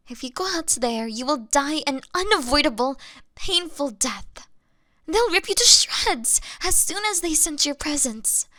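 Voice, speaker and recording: A woman playing a gentle, apologetic female vampire struggling with bloodlust in an intimate audio drama, speaking formally and often slipping into breathy whispers. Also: a little high, no room sound, studio quality. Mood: urgent warning.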